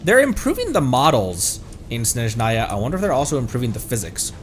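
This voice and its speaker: A man's voice: mid-range voice, wildly swooping pitch, fairly quick, background noise. A man giving casual, playful live commentary while he plays a video game, muttering to himself and exclaiming. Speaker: streamer playing a video game. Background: video game music.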